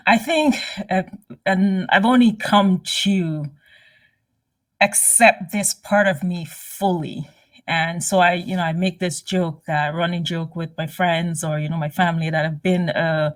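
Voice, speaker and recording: A woman from Guyana, a podcast guest, telling personal stories in a thoughtful, steady conversational way. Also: fairly low pitch, measured pace. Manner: thoughtful, steady, personal anecdotes with frequent "you know" and "right?". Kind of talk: reflective conversational storytelling.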